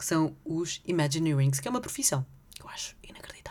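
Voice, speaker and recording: A woman with a Lisbon accent, fairly low pitch, ordinary pitch variation and a fairly quick pace. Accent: European Portuguese, Lisbon. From Portugal, Lisbon. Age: 30s. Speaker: podcast host. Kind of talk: casual solo monologue.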